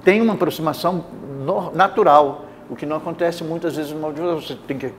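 An older actor sits for a studio interview on a lapel mic, his voice a touch higher than most men's. He muses aloud, breaking off and restarting sentences, with a faint noise floor beneath him. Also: fast. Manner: rambling, restarts mid-thought. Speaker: actor guest. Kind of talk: casual studio interview chat. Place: bright indoor TV studio, seated.

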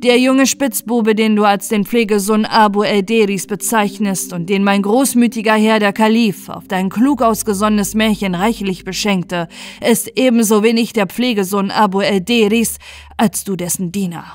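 A woman's voice: mid-range voice, steady tone, moderate pace, lightly acted. A woman voicing a stern male grand vizier who firmly accuses a servant, in a fairy tale audiobook. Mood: accusing. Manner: firm, accusing, emphatic.

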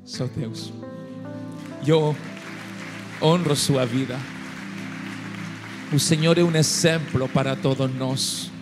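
A middle-aged man from Chile with a Chilean Spanish accent, preaching a humorous sermon into a handheld mic on a church stage and urging the crowd to shout. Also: medium pitch, fairly even intonation, slow, long pauses. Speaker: guest pastor. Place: large dark church stage. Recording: long hall reverb with music behind.

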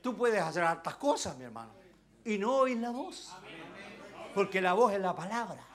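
Chilean-accented male preacher, high-pitched, impassioned sermon that swings between shouting and near-whispers. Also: sing-song, moderate pace. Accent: Chilean Spanish. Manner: calls out to the congregation with rhetorical questions. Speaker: pastor.

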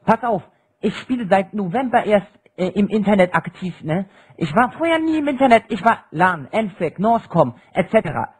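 High-pitched young man in berserk rage. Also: expressive, moderate pace, husky. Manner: berserk rage, screaming insults and threats. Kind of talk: heated online voice-chat argument. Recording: noisy, clipping gaming voice chat.

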